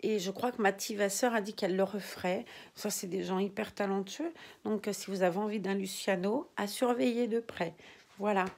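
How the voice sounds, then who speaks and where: Chatty older woman with a gravelly voice. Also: mid-range voice, fairly even intonation, moderate pace, darkish tone. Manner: chatty, rambling, often drops to a whisper. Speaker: reborn doll collector vlogger. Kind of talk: casual chat to viewers. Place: bedroom nursery at home.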